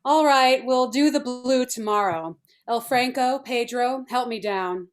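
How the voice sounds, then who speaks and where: Film table read: actress as brisk feminist artist, higher register, haughty, matter-of-fact, unembarrassed. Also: female voice, natural voice. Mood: brisk, detached. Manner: clinical, formal, matter-of-fact.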